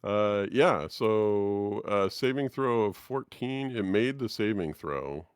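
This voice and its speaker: A man running a tabletop game as game master, making rulings and checking monster stats in a lively, chuckling way. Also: fairly low pitch, slow, smooth, dry recording, clean studio sound.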